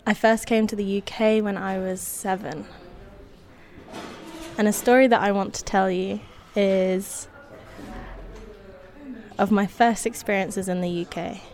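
A woman born in Indonesia, whose first language was Indonesian, tells a personal story unhurriedly and wryly, with soft laughs. Her voice is mid-range and her delivery flat.

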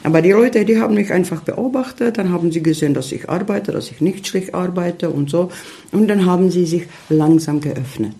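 Man, gravelly voice. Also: high-pitched, warm tone. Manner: halting, searching for words, many fillers. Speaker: interview guest. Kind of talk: casual interview talk.

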